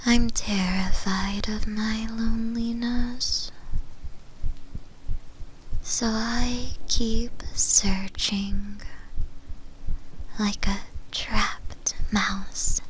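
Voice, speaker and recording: A woman voicing a lonely, yearning shadow demon in a breathy, hesitant whisper, as an intimate ASMR roleplay. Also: a little high, fairly even intonation, a little hiss or hum, low-quality recording. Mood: fearful, lonely. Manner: hesitant, drawn-out, pausing between phrases.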